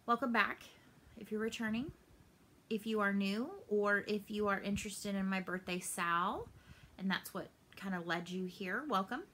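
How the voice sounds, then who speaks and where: A cross-stitch vlogger in her late thirties sits in a small room at home, chatting casually to the camera about her stitching hobby and rambling and gesturing as she goes. Her medium-pitched voice is steady, pushed and bright, at a moderate pace, with a little hiss or hum in the audio. The camera faces her and frames her upper body.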